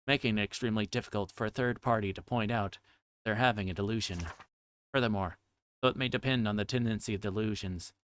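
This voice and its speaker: A man's voice: fairly low pitch, a bit bright, dry recording. A man livestreaming a game, reading its text aloud and sometimes stumbling over difficult words.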